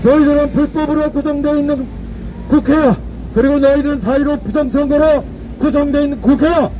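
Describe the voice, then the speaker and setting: A man's voice: extremely high pitch, steady tone, fairly quick, mellow, slight background noise, low-quality recording. A man delivering an emphatic, declamatory political rally speech outdoors, repeating phrases for effect. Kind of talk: fiery political street speech.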